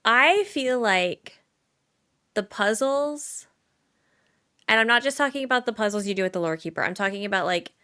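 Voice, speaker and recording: Female streamer and podcast co-host, bright and animated delivery, pitch leaps all over. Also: normal speed, long pauses, clear, resonant tone. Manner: animated, self-deprecating, rambling. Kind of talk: casual podcast chat.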